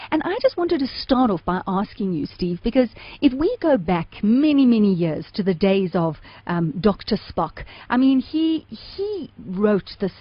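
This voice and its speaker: A somewhat breathy woman talks at a moderate pace and a fairly high pitch, with very wide pitch swings. The sound is dry, with no echo. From South Africa. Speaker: radio talk show host. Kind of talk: radio interview. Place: studio.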